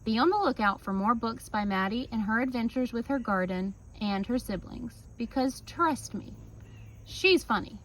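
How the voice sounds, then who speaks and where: Higher-voiced woman reading a children's story. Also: animated, moderate pace, fairly bright tone, a little hiss or hum, low-quality recording. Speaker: teacher reading a picture book aloud. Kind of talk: children's story read-aloud with casual asides.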